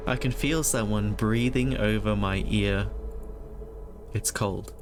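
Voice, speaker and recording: A man's voice: on the low side, takes it slowly, background noise. A man doing a let's play, reading game text aloud and adding casual, wry asides to his chat. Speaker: game streamer.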